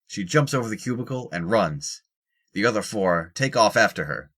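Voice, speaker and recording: A man's voice: fairly low pitch, expressive, moderate pace, fairly bright tone. A man reading scripted narration for an audio drama.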